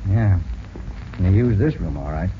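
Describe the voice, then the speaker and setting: An American man playing a cool, confident private detective in a 1940s radio crime drama, brisk and matter-of-fact. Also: sits low, animated. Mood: confident, investigating. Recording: noisy, muffled 1940s radio recording.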